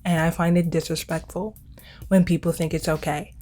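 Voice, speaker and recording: A woman's voice: fairly low pitch, little pitch movement, moderate pace, dark tone. A twenty-year-old woman hosting a casual solo podcast, talking in a chatty, informal way and repeating words for emphasis. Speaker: podcast host.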